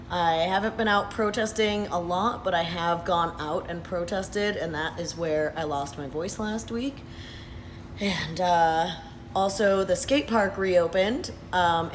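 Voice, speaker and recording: A hoarse man in his thirties talks earnestly in a casual vlog, pausing often with "uh" and "um". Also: high-pitched, a little hiss or hum. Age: 30s. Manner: earnest, unhurried, with frequent "uh" and "um". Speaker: vlogger. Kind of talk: casual talking-head update. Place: sitting at his workplace after hours.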